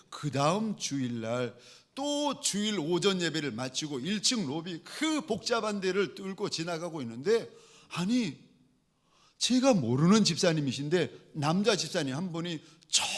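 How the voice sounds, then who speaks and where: High-pitched male pastor telling a story. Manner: animated, acts out quoted dialogue with swings in loudness. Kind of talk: sermon storytelling.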